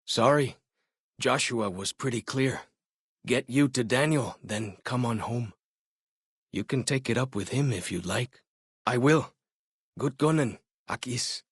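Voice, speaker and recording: A man playing an earnest, curious young tribal scout in a video game, plain-spoken and measured, telling things in short phrases. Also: medium pitch, breathy edge, no echo, clean studio sound. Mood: friendly. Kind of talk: video game character dialogue.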